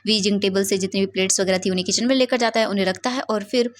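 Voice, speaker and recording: A woman's voice: medium pitch, steady tone, rapid-fire. A woman casually narrating a fan-fiction love story, mixing English words into her telling.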